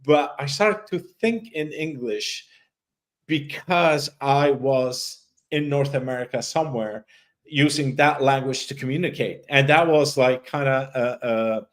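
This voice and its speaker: A man from Lebanon who grew up speaking Arabic. He is hosting a podcast over a video call and talks in a reflective, halting way, with many restarts. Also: mid-range voice. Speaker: podcast host. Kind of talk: casual podcast chat.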